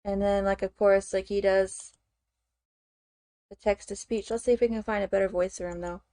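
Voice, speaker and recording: A woman's voice: medium pitch, fairly even intonation, normal speed, dark tone, no echo. A woman streamer chatting casually as she works, thinking aloud with frequent fillers and "okay"s. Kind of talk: casual chat while working on screen.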